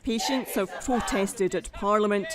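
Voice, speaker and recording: A woman narrates a television news report. Her voice is medium in pitch, and she reads scripted copy as a reporter. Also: moderate pace, a loud crowd.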